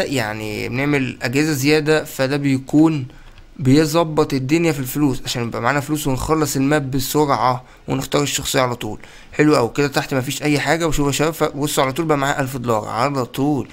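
A young man with an Egyptian Arabic accent giving excitable, chatty let's-play commentary and talking straight to his viewers. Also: mid-range voice. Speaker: gaming YouTuber.

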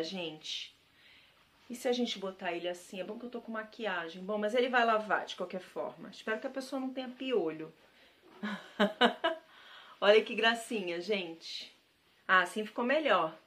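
Brazilian woman vlogging her thrift haul, highish voice, keeps calling her viewers "gente". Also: a bit bright. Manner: chatty and gushing, repeats praise words; addresses viewers directly as "gente". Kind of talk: casual haul chat to camera.

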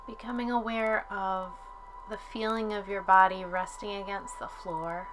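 A woman leading a guided relaxation as a yoga instructor, speaking in a calm, soothing way with long pauses. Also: mid-range voice, slight background noise. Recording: soft music under the voice. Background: music.

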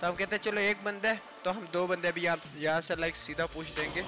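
A man's voice: sits high, flat delivery, fairly quick. A man giving casual, explanatory gameplay commentary, retelling what was said between players. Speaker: gaming YouTuber. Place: voice-over over mobile game footage. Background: music.

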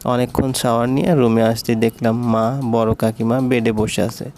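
A man narrating a romantic story aloud in a steady, even storytelling manner. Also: medium pitch, normal speed, slight background noise.

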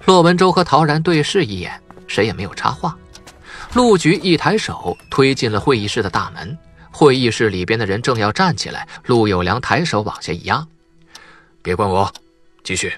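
A man's voice: medium pitch, big pitch swings, fairly quick, fairly bright tone, faint music behind. A man reading a novel aloud as an audiobook narrator, in scripted dramatic storytelling.

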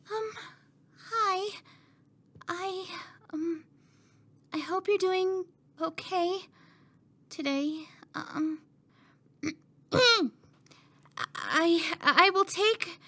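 A woman acting out a timid young prince, anxious about becoming heir, who stammers and restarts constantly. The voice sits very high with a bright, sharp edge. Everything comes out slowly, in halting fragments. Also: heavily acted. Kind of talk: voice acting audition.

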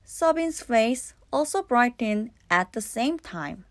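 A woman's voice: on the high side, sing-song, slow, no echo, studio quality. A woman reading scripted narration for a children's audiobook. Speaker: storybook narrator.

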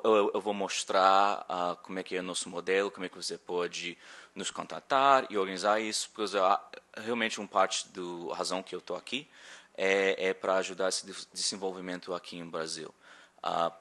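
A man in his thirties with an American accent, giving a conference talk in a hall at a table microphone, halting and searching for words with self-deprecating humor. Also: low-pitched, pushed and bright. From born in Rio, raised in Chicago. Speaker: conference speaker. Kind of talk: conference presentation.

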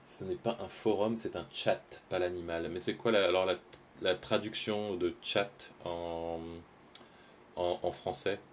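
A man's voice: low voice, fairly even intonation, unhurried, a little hiss or hum. A man, chatting casually and hesitantly with his stream viewers while he draws live, full of fillers and restarts.

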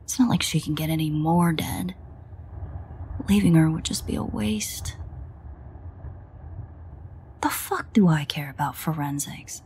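Woman acting a low, hushed, sardonic vampire woman. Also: unhurried, pauses often. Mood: irritated, insistent. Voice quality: hushed, breathy, often near a whisper. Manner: sardonic, swearing, coaxing. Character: foul-mouthed, teasing female vampire with a protective streak. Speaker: audio roleplay voice actor. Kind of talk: intimate audio drama roleplay, hushed and breathy. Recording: faint ambient noise, rain.

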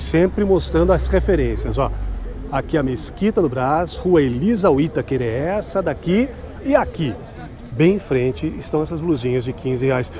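A man's voice: on the high side, warm tone. A middle-aged man, vlogging a tour of a street market at night and chattily promoting clothes and prices. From Brazil. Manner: chatty and promotional, keeps asking vendors prices. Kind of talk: upbeat sales walkthrough.

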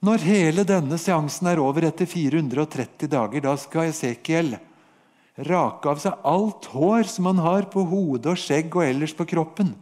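A man with a Norwegian accent teaches from the Bible on a podcast, telling the old prophet's story as a vivid narrative. His voice sits a little higher than most men's. He slows down to give divine speech its weight. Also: darkish tone. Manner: vivid storytelling, acts out God's words to the prophet.

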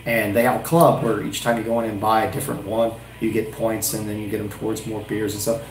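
A man's voice: fairly low pitch, little pitch movement, fast talker, slight background noise. Rambling man chatting in a roomy room. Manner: rambling, thinking aloud with many restarts. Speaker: beer reviewer and channel host. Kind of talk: casual live-stream chat. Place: small wood-paneled room indoors.

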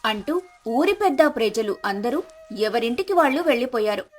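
A woman's voice: on the high side, animated, normal speed. A woman reading scripted story narration. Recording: music behind the voice.

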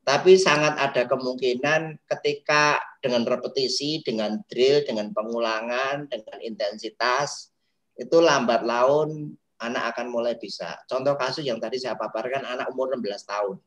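A man's voice: medium pitch, moderate pace, a bit bright, rough recording. A man speaking as an autism therapist in an interview, explaining his work like a storyteller who acts out quotes and mixes in English phrases. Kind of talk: talk show interview.

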